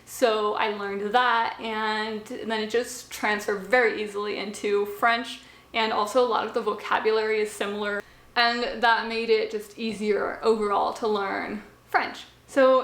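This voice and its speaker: A woman's voice: on the high side, fairly bright tone, reverberant. A young woman talking to the camera from a small home office, explaining language learning in a casual, chatty way with fillers and asides. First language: English.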